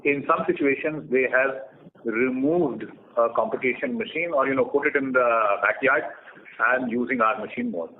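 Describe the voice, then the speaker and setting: A man with an Indian accent answering questions as a company executive on an earnings call, explaining in a measured way. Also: mid-range voice. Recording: tinny phone line with clear noise.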